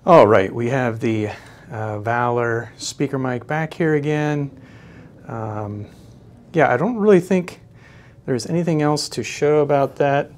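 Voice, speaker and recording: A man giving a casual, unscripted product demonstration in a hesitant, halting way, often searching for words. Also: medium pitch, slight background noise. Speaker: product reviewer.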